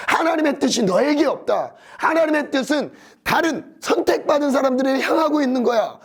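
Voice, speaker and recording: Animated gravelly-voiced male preacher. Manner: animated preaching with scripture reading, pitch swinging high and low. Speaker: pastor. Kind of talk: sermon.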